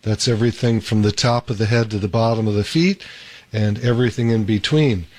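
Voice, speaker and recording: A man's voice: lowish voice, fairly quick, darkish tone, no echo. A man hosting a live radio talk show as a doctor, talking in an easygoing, chatty way with fillers. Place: radio studio. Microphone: studio microphone.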